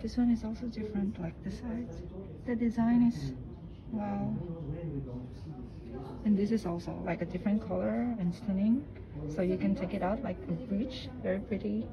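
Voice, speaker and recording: A woman's voice: medium pitch, steady tone, highs cut off, crowd noise. A woman from the Philippines vlogging casually as she tours a jewelry exhibition, admiring each piece aloud. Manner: slow, admiring remarks on exhibits. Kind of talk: casual vlog commentary. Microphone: handheld phone.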